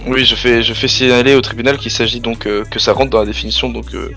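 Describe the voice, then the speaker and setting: A man's voice: medium pitch, steady tone, quick pace, pushed and bright, soft background music. A man playing a courteous lawyer in an online roleplay court, speaking formally and wordily with some hesitation. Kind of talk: improvised online game roleplay.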